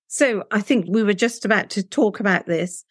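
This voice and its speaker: An earnest woman whose first language is Punjabi talks as an interview guest, leaning on rhetorical questions to persuade. Her voice sits at an ordinary middle pitch. The recording is close and dry, with no room sound. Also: normal speed, slightly rough, no room sound.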